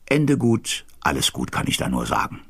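A man playing the genial narrator of a children's audio drama, expressive and chatty, with a gravelly voice. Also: extremely low pitch, normal speed, full character voice. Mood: amused, satisfied. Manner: expressive, chatty, fond of his listeners. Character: genial male narrator of a children's witch story. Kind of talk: lively storybook narration.

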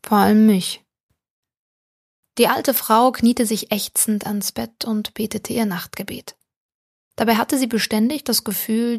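A woman reading a short story aloud as an audiobook narrator, calm and even, close to the mic. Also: on the high side, vocal fry, slightly rough, no room sound. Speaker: audiobook reader. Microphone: close studio mic.

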